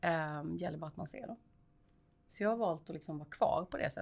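A woman's normal speaking voice, a normal speaking voice at a fairly quick pace with ordinary pitch variation, on a very clean recording with a silent background. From Skåne, Lund. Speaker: coach and entrepreneur. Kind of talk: casual interview.

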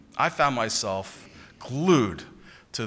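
On a very clean recording with a silent background, a man's voice has a bright, sharp tone. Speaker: moderator. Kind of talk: panel discussion. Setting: stage with audience. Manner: halting, many fillers.

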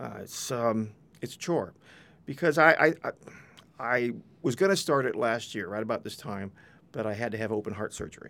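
Lively intonation marks a man of medium pitch with a bright, sharp tone who speaks at a moderate pace, taking long, frequent pauses. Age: 60s. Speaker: former radio newsman and PR professional. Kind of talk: casual interview. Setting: studio.

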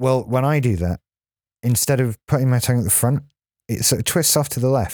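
A man with a British accent and a medium pitch talks at a fairly quick pace with ordinary pitch variation, in a very clean recording with a silent background and a dry, close sound with no echo. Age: 30s. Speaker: podcaster. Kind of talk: casual solo live podcast. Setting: home studio, live recording. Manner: rambling, easily distracted.

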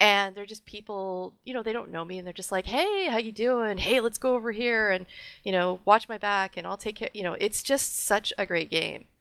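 A woman with an unremarkable speaking voice talks at medium pitch with ordinary pitch variation and hardly any pauses. Her loudness swings widely on a very clean recording with a silent background. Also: moderate pace. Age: 40s. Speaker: streamer. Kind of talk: casual chat.

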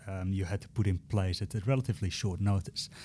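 This man speaks with a Dutch accent. His tone is dark and mellow. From Netherlands. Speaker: podcast host, content director. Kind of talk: interview. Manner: halting.

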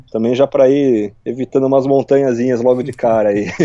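The speaker is a man with a dark, mellow tone. The sound is dry and close, with no echo. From Brazil, São Paulo. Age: 30s. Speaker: journalist and touring cyclist. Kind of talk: casual interview.

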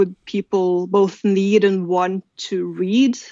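With a Norwegian accent, a woman speaks at a very slow pace and a medium pitch. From Norway. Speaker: comic book writer. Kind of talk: casual interview. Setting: video call.

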